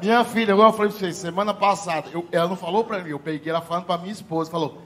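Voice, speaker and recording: A middle-aged man doing a stand-up comedy routine on stage, profane and animated, talking straight to the live audience. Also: sits high, very fast, a faint crowd.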